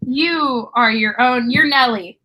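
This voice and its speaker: A woman's voice: a little high, slow, pushed and bright, poor audio. A young American woman co-hosting a casual book chat, gushing and playfully dramatic. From United States. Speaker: co-host of a book discussion live stream.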